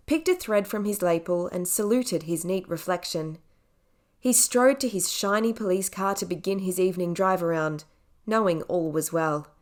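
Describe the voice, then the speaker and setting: A woman reading scripted audiobook narration as a professional narrator. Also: lowish voice.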